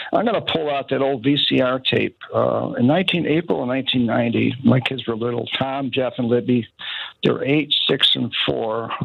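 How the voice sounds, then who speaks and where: Clear background noise accompanies someone talking at a middling pace. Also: man. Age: 70s. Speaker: caller sharing memories. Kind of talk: casual chat. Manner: rambling, halting.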